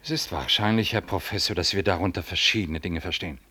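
A Catholic priest in a 1960s radio play. He speaks on the low side, with solemn, deliberate formality. He sounds stern, dutiful and quietly righteous. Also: husky, heavily acted. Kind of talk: 1960s German radio drama acting.

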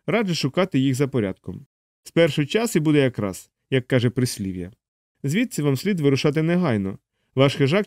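Man doing a lecturing high-voiced alien helper. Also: darkish tone, dry recording, studio quality, lightly acted. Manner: didactic, explaining at length. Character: fussy alien male helper, lecturing and urgent. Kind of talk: audiobook character voice.

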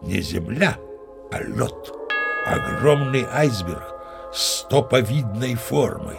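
An actor playing a pompous, easily irked sea captain who tells his yarn in a grandiloquent, expressive theatrical manner for an audio play. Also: medium pitch, slow pace, creaky, music in the background. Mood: storytelling.

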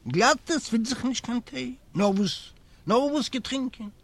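A male audiobook reader voicing a fussy, pious old man who is easily startled and talks in quick exclamations and questions. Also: very high voice, dry recording, pitched above the performer's own voice, heavily acted. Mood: startled protest. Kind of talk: audiobook character voice.

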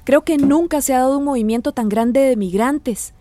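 A woman's voice: high-pitched, moderate pace, mellow, no echo, lightly acted. An actress playing an affectionate mother in a radio drama, chatting tenderly with her son and talking with concern on the phone to an old friend. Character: warm affectionate middle-aged migrant mother.

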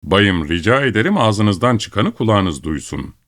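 A man's voice: on the low side, sing-song, measured pace, fairly bright tone. A man voicing a pompous, indignant old dead general in an audiobook, talking in a stiff, blustering way. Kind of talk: audiobook character reading.

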